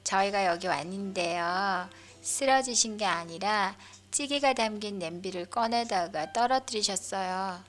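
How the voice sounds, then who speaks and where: A woman's voice: mid-range voice, unhurried, hardly any pauses, fairly bright tone, faint music behind, natural voice. A woman voicing a matter-of-fact emergency responder in an audio story, plainly explaining.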